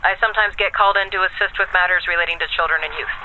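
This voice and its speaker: A woman playing a composed, caring school counselor in an audio drama, measured and diplomatic, firm but dry. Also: fairly low pitch, steady tone, sharp tone, slight background noise, poor audio.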